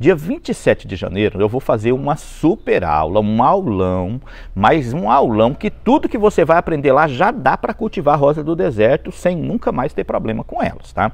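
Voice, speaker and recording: With an animated tone and very wide pitch swings, a man speaks in a fairly high pitch at a moderate pace, his voice showing vocal fry. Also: hardly any pauses. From Brazil, Rondônia. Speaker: gardening instructor and YouTuber; teacher. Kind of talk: tutorial. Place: garden. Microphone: lapel.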